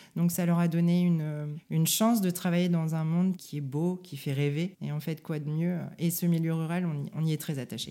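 With hardly any pauses, a woman talks at a moderate pace and fairly low pitch, her dark, mellow tone carrying fairly even intonation. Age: 40s. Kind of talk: interview.

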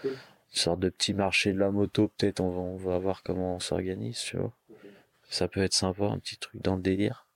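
Against a silent background in a very clean recording, a man speaks with a very deep, low pitch and fairly even intonation. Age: 30s. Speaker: motorcycle customizer and painter. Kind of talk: casual interview. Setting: guest's workshop. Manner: casual, hesitant.

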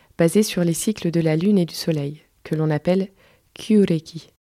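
Her dark, mellow tone sits at a fairly low pitch as a woman speaks at a moderate pace with fairly even intonation, in a very clean recording with a silent background and a dry, close sound with no echo. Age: 30s. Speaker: podcast host and artisan business founder. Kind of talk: scripted narration.

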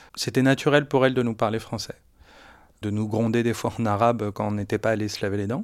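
On a very clean recording with a silent background, a man with an unremarkable speaking voice talks fairly quickly at a medium pitch, with fairly even intonation. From French-speaking family of Egyptian parents. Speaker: interviewee. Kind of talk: personal testimony.

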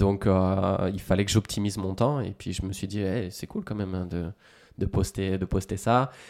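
Spoken at a fairly slow pace with fairly even intonation and a slight Toulouse accent, this very clean recording has a silent background. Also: man, fairly low pitch for a man. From France, Loiret (Centre region). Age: 30s. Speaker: DJ and electronic music producer. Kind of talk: casual interview. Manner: halting, many repetitions.

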